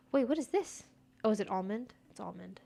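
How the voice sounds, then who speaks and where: A dark, gravelly mid-range voice at a moderate pace, expressive throughout, belongs to a young woman streaming a game. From the US with Persian as her first language, she chats casually, talks to herself, and answers her viewers.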